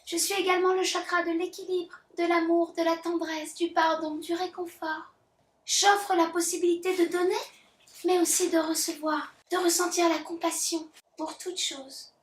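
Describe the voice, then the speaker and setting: A woman voicing a gushing, syrupy female heart chakra spirit who talks in a soft, preachy, loving way. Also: very high-pitched, flat delivery, normal speed, distant mic, voice pushed up. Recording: roomy echo.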